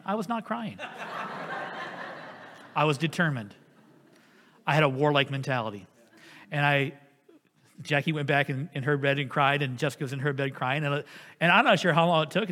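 A man preaching a sermon as pastor, telling a family story in an earnest, animated way. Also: fairly high pitch, in a large hall.

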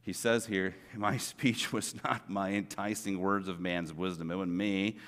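A man's voice: low voice, fairly even intonation, unhurried, fairly bright tone. A middle-aged man preaching a sermon as pastor, earnest and conversational, stressing points by repeating words. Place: church sanctuary. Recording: long reverb of a church hall.

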